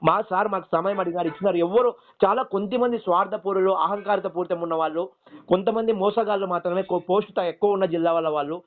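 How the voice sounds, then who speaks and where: A man's voice: high voice, quick pace. A young man with a Telangana Telugu accent pleads deferentially and insistently in a rambling phone conversation. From Telangana, India. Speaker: exam aspirant calling a politician. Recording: muffled, narrow-band phone line.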